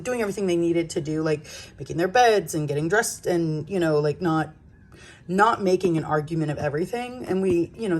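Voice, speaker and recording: A sleepy young woman chatting rambly in a home vlog, with lots of fillers, from her kitchen early in the morning. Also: fairly low pitch. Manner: chatty and rambling, many fillers, soft-spoken at times while the baby sleeps. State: sleepy, yawning. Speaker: vlogger, mother of several children. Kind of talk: casual home vlog chat.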